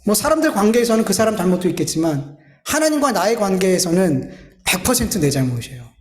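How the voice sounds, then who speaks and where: A man's voice: sits high, big pitch swings, fast talker. A man preaching a sermon as a pastor, earnest and pleading, often turning to address his congregation directly. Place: church sanctuary. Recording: echoey church hall.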